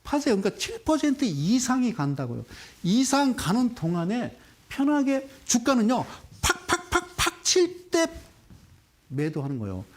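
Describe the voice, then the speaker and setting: A man giving an animated stock investment lecture, teasing the audience with rhetorical questions and repeating key words for emphasis. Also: very high-pitched.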